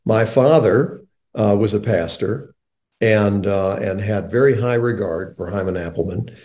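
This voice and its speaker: Earnest older male radio host, mellow tone. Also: on the low side, a little slow. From North Carolina, USA. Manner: earnest, animated storyteller.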